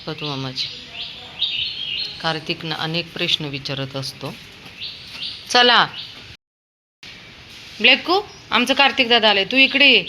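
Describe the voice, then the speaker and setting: A woman's voice: lowish voice, unhurried, long pauses, background noise. A woman chatting casually while walking a dog outdoors on a sunny street, calling out in a coaxing, sing-song way to a toddler and the dogs. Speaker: dog owner vlogger.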